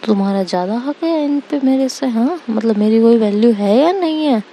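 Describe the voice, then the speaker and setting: A woman's voice: on the high side, lively intonation, moderate pace, warm tone, a little hiss or hum, natural voice. A woman voicing a playful, bossy young woman friend who teases and scolds in a storybook reading. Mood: teasing. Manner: teasing, scolding.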